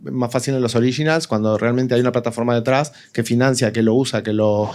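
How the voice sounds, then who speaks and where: He is an Argentine man with a mid-range voice, taking part in an informal panel. He works through his thoughts aloud in halting phrases and repeats words to drive them home. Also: mid-range voice, fairly even intonation, a little mellow. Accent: Argentine Spanish. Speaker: panelist, audio fiction producer.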